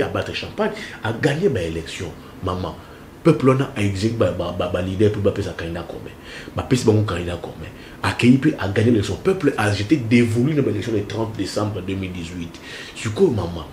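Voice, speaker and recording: Emphatic low-voiced Congolese man, echoey. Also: darkish tone. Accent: Congolese French. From Central Kongo, DR Congo. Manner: emphatic, repeats phrases, mixes French and Lingala. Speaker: political analyst guest. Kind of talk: animated interview answers. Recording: echoey room with faint noise.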